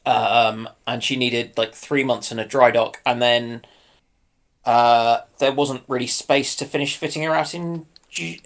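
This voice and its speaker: A man's voice: medium pitch, fairly bright tone. Guy on a history panel, mid-range voice, casual, stops and starts as he thinks it through. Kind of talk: casual naval history chat.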